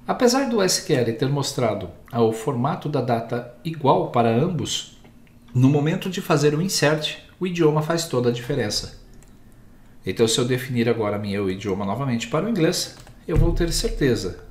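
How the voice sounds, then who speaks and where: A male instructor with a Brazilian Portuguese accent walks through a screen-recorded software lesson, explaining each step steadily and patiently. His voice is mid-range, and the room echoes.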